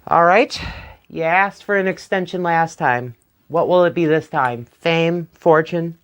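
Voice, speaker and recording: A devilish tall dark stranger, as a storyteller puts him on, stern and ominous and used to giving orders. His voice sits close to the teller's own, measured and slow in the manner of a fireside folktale. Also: medium pitch, close to an everyday voice. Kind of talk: oral folktale telling.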